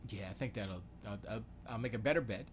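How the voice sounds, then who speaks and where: Here a Florida livestream host with a lowish voice talks a little fast as he tinkers in his home studio. Thinking aloud, he mutters questions and lets sentences trail off, and a faint hiss or hum is audible.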